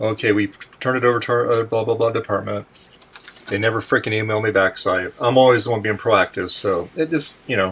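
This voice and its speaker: A man talks at a medium pitch with fairly even intonation. Background noise is noticeable. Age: 60s. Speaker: vintage computer youtuber, stream host. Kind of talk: casual chat.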